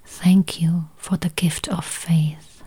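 Very slow, breathy low-voiced woman. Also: fairly even intonation. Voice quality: soft, breathy, whispery. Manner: slow, gentle, spaced short phrases. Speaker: guided meditation host. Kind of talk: guided meditation, counting and affirmations.

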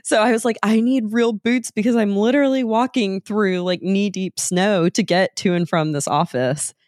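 A woman's voice: mid-range voice, moderate pace, darkish tone, no echo, clean studio sound. A young adult woman from the South, co-hosting a podcast and laughing often as she tells stories. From American South. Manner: upbeat, laughs often while telling stories. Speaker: podcast co-host. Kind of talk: casual chat.

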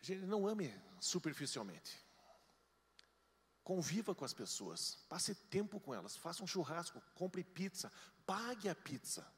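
Animated male pastor in a reverberant hall. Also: a little slow. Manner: animated storytelling, jumps into high-pitched voices for quoted people. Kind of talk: sermon. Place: church hall.

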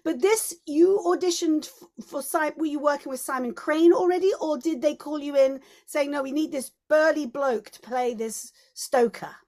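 A woman's voice: high voice, moderate pace, darkish tone. A woman co-hosting a podcast, asking long, eager questions like a fan. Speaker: podcast co-host. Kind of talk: enthusiastic interview questions.

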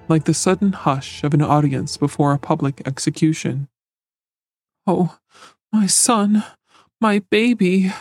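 A man reading a first-person horror story aloud in a measured, dramatic storytelling manner. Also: a little high, a little mellow. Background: faint background music.

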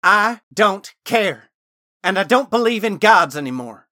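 A man's voice: sits high, sing-song, unhurried, pitched above the performer's own voice, heavily acted. Man voicing a furious, hard-bitten farm woman. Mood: dismissive, threatening. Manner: shouting, dismissive, spitting out words.

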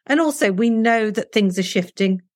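A woman's voice: medium pitch, lively intonation, normal speed, no echo, studio quality. A woman whose first language is Punjabi, a guest talking earnestly in an interview and often closing points with tag questions. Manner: persuasive, asks rhetorical tag questions.

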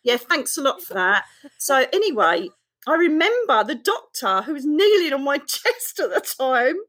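A middle-aged woman who is an author, telling her personal story in an interview in a frank, expressive way that runs on quickly. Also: high voice. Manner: emotional, expressive, fast-running storytelling. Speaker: guest author.

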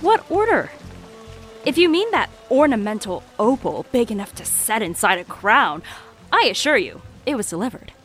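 An actress playing a proud, flamboyant jewel merchant in an audio drama, effusive, theatrical and wheedling. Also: female voice, a little high, big pitch swings, normal speed, faint music behind. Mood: puzzled, defensive. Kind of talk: scripted audio drama acting.

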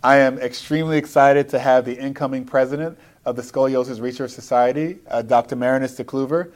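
A man's voice: mid-range voice, fairly even intonation, brisk. A man hosting a live podcast interview at a conference, eager and full of filler words as he asks his questions. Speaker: podcast host.

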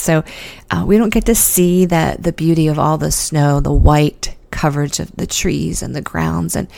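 A woman's voice: low-pitched, vocal fry, a little mellow, no echo. A woman hosting a casual solo podcast, talking in a chatty way with lots of ums and restarts. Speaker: podcast host.

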